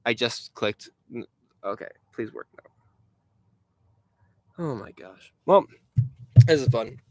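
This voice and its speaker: A young man in his twenties talks loosely through a live stream, answering viewers and trailing off into frustrated asides. His voice sits at an ordinary middle pitch. The sound is dry, with no room echo. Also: animated, slow. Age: 20s. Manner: chatty and rambling, reads chat questions aloud, frustrated asides. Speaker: online reseller hosting a live stream. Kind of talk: casual live-stream chat.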